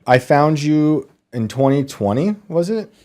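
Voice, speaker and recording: A man's voice: a little high, expressive, measured pace, mellow. A man hosting a podcast interview, wry and joking, laughing often. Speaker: podcast host. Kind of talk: casual interview chat.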